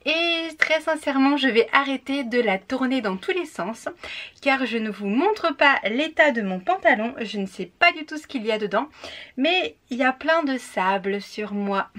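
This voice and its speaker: A woman's voice: on the high side, fairly bright tone. A young woman chatting cheerfully as she unboxes a monthly book box. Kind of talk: casual unboxing chat.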